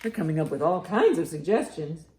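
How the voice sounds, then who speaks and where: A woman's voice: low-pitched, sing-song, brisk, a little mellow, echoey room. A woman presenting storytime for young children, reading and explaining expressively and speaking to them directly. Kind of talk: picture-book storytelling and instruction for young children.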